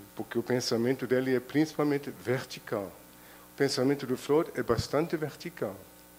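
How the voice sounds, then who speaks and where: Here a man with a German accent speaks at a medium pitch. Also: ordinary pitch variation, moderate pace. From Germany. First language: German (speaking Portuguese). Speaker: audience member. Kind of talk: question from the audience. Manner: halting.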